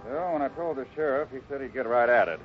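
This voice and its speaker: A man playing a steady, fatherly cowboy ranch boss in a 1950s radio serial, firm and plain-spoken as he takes charge. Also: mid-range voice, quick pace, over loud music, close to an everyday voice. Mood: businesslike. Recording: muffled, noisy old radio recording.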